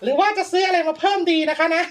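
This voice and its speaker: A woman's voice: very high voice, fast. A young woman streamer giving chatty, polite gameplay commentary, laughing often and reacting with exaggerated dismay. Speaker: VTuber streamer.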